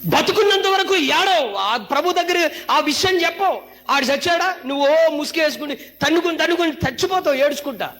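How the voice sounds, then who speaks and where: A man's voice: very high voice, lively intonation, brisk, a bit bright, a little hiss or hum. A man pastor preaching a sermon in a fiery, scolding manner, acting out the voices he quotes.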